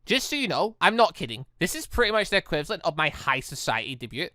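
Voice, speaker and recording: Man acting out a haughty young heiress, animated. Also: fairly high pitch, fast talker, dry recording, faint music behind. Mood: teasing, proud. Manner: grand, superior, teasing. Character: haughty, self-assured rich young heiress.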